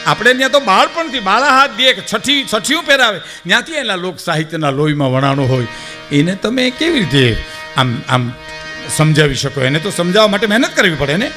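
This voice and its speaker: A man's voice: sits high, fairly quick, faint music behind. An older man with a Saurashtra Gujarati accent telling folk anecdotes to a live audience, acting out the people he quotes and often calling listeners sir. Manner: animated, acts out quoted speakers, addresses audience as sir. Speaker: folk storyteller. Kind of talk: dayro storytelling to a live audience.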